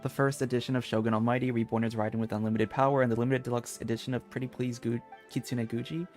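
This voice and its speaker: Excitable man streaming a game. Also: mid-range voice, quick pace, faint music behind. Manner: excitable, exclaiming, chatting to viewers. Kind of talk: live gameplay commentary, reading dialogue aloud.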